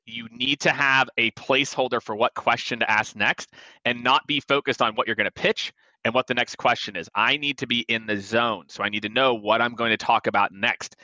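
Man, 40s, sales coach guest: rapid, punchy delivery, lots of acted quotes. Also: medium pitch, no room sound, rough recording. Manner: animated, emphatic, acts out quoted lines. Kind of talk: energetic podcast advice.

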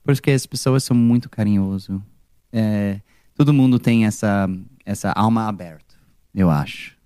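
A young man from California with an American accent talks slowly and haltingly, often stopping to find the right word and sometimes switching to English. His voice sits low and mellow. The room sounds dry and close. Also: clean tone, no echo. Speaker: musician guest. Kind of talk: casual interview.

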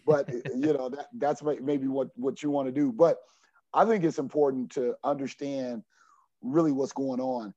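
A man in his forties with a dark, mellow voice talks earnestly as a coach on a podcast. He restarts and repeats words while he gathers his thoughts. The audio is dry and a little muffled. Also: medium pitch, steady tone, moderate pace, no room sound. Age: 40s. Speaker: junior college basketball coach. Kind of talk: podcast interview answer.

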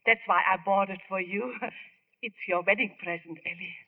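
A woman's voice: medium pitch, moderate pace, close to an everyday voice. An actress playing a bossy, practical older immigrant mother in a 1940s radio drama, insistent and unpolished in her grammar. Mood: eager, pushy. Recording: dull, muffled vintage radio broadcast.

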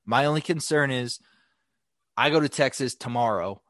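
A young man co-hosting a podcast, chatting casually in a blunt, profane, animated way. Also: mid-range voice, moderate pace, no echo, studio quality. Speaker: podcast co-host.

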